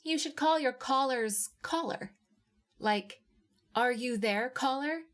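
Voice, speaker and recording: A woman voicing a heartbroken, tipsy woman in an audiobook dialogue, playful, blunt and insistent, with animated delivery. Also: high voice, slow pace, pitched above the performer's own voice. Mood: teasing.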